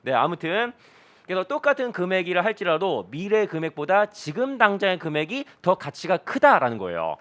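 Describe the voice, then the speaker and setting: A man's voice: a little high, fairly bright tone. A man in his thirties teaching an online accounting lecture, playful and jokey, acting out little quoted scenes. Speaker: accounting instructor.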